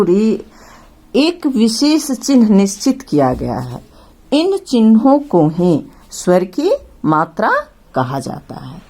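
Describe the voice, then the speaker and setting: With a mid-range, somewhat dark voice, a woman teaches grammar to children. Her classroom explanation is slow and patient, and she draws out each vowel sound as she names it.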